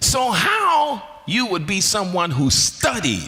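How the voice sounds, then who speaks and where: An animated voice with very wide pitch swings over noticeable background noise. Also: man. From New York. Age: 50s. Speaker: pastor. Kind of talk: casual teaching discussion with audience.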